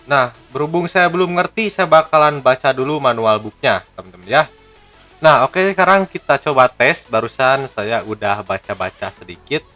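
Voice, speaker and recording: A man gives a casual hands-on gadget review. His voice sits at an ordinary male pitch, and he talks to viewers like friends, with music behind him. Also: expressive, normal speed, pushed and bright. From Indonesia. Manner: chatty, addresses viewers as friends.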